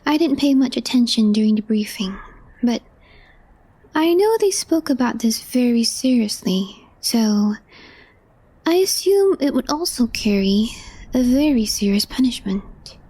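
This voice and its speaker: A woman playing a calm, deadpan, quietly mischievous young office coworker in an ASMR roleplay, speaking softly in a hushed, understated way. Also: fairly high pitch, a little slow. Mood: calm, secretive. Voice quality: soft, breathy, hushed.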